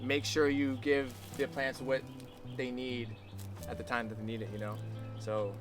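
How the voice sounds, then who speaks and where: A man's voice: mid-range voice, flat delivery, moderate pace. A man who farms a food forest, talking in a loose, chatty way outdoors on a farm, with many restarts. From United States. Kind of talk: casual outdoor interview. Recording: background music under the voice.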